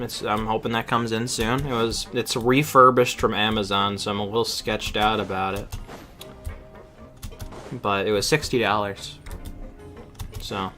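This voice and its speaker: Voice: mid-range voice, sharp tone. A game streamer chatting casually with viewers in an informal, rambling, sweary way. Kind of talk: casual livestream chat over a game.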